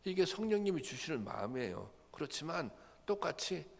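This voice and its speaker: This male pastor's voice runs a little high with big pitch swings, a brisk delivery and vocal fry. He preaches earnestly and repetitively at a dawn prayer service, building to emphatic peaks, and the church sanctuary lends a long hall reverb.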